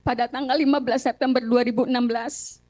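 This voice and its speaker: An Indonesian woman giving courtroom testimony as a witness and lawyer, recounting details haltingly with repeated phrases. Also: fairly high pitch, fairly even intonation, darkish tone, no echo. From Cirebon, Indonesia.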